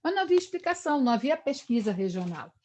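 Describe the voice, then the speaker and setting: In a live online lecture, a middle-aged woman from Brazil talks about history at a fast clip, her high-pitched voice sing-song and slightly mellow. Her delivery wanders through long runs, frequently tagged with "né?"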